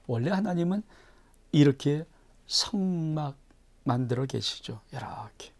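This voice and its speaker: A male pastor reading and preaching through a Bible chapter. He keeps asking the congregation questions and swings from loud bursts to near-whispers. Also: fairly high pitch, animated, unhurried.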